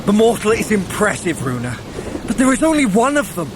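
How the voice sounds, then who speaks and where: An actor playing a sly, eloquent trickster god in an audio drama, wry, articulate and theatrical. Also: male voice, high-pitched, very animated, brisk, very noisy. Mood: observant.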